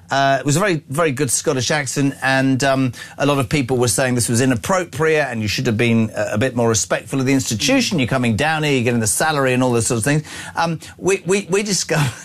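A man hosting a radio phone-in show, chatting casually with plenty of fillers and hesitations. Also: medium pitch. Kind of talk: casual talk radio chat.

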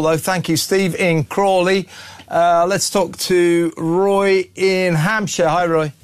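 A man hosting a radio phone-in show, opinionated and quick to cut in on callers. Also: fairly high pitch. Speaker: radio talk show host.

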